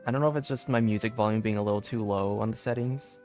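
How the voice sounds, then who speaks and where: A man's voice: lowish voice, fairly even intonation, fast talker, darkish tone. A man giving casual gameplay commentary as a streamer on a close mic. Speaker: game streamer. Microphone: close mic, dry. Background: faint game music.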